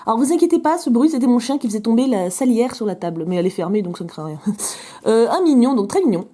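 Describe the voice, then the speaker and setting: A woman opening fan mail in a casual vlog, chatty and gushing, her voice still rough from being sick. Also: fairly high pitch, expressive, fast talker, dark tone, slight background noise. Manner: chatty, gushing over drawings, interrupts herself. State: recovering from illness, voice a bit rough.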